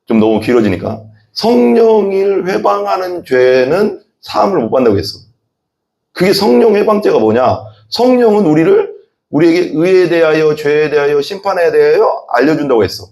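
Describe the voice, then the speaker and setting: A man preaching an evening sermon as pastor, animated, asking the congregation questions and acting out voices in the quotes he tells. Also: on the high side, normal speed, gravelly. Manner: asks the congregation questions and has them repeat.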